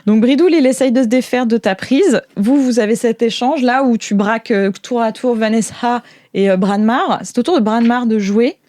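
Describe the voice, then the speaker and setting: A woman hosting an improvised tabletop game, narrating in an informal, halting, giggly way. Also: on the high side, mellow, dry recording. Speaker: game master, show host.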